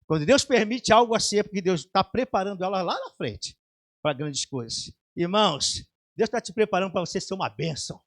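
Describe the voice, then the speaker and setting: A man's voice: high voice, expressive, a little fast, a bit bright. A man with a Brazilian Portuguese accent preaching a sermon as pastor, emphatic and fervent. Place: church.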